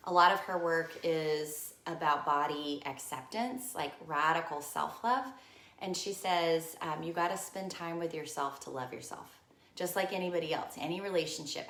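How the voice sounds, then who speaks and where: A woman co-hosting, with a low voice for her sex. She talks in a soft, reflective and encouraging tone, and her voice carries an echoey room sound. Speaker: co-host. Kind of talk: casual chat.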